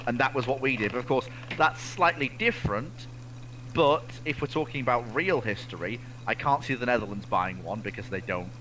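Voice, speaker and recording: A man in a casual history discussion, giving opinions in a halting way and repeating phrases as he reasons. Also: lowish voice, bright, forceful tone, a little hiss or hum, rough recording. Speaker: co-host or guest on naval history chat.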